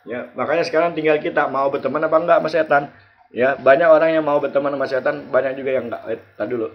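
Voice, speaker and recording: A man's voice: fairly high pitch, steady tone, fast. A male religious teacher, leading an online class and explaining verses line by line. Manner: explains verses line by line, asks and answers himself. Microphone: video call. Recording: muffled video call audio.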